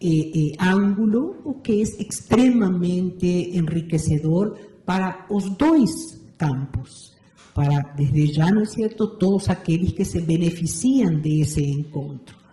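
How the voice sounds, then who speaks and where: Interview guest: Argentine woman in her sixties, Spanish-accented, mellow and unhurried, in a roomy space. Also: fairly low pitch. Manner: measured, thoughtful, frequent "não é certo" tag. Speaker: interview guest, meditation teacher. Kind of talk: reflective interview answers. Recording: roomy echo.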